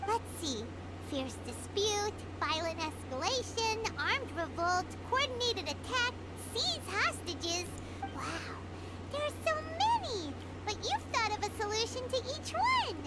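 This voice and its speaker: An extremely high, chirpy little fairy girl for a video game. She is excitable and naive, with a very lively, swooping pitch. Loud noise sits behind the voice. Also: slow, heavily acted. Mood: amazed, relieved. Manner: chirpy, naive, refers to herself in third person. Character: tiny, excitable, childlike female fairy companion. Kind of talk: scripted video game voice acting.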